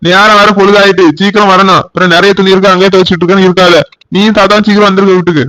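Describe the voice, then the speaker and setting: Man doing a bossy village dad, tirunelveli tamil, talks super fast. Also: high voice, level tone, sharp tone, no echo, low-quality recording. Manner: bossy, instructing. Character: stern village father.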